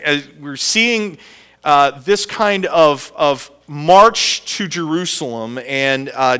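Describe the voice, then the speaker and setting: Animated, bright-voiced man preaching a sermon. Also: a little high. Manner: animated, asks the congregation questions; hesitant restarts with many "uh" fillers. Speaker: pastor. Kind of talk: sermon with prayer and Bible reading.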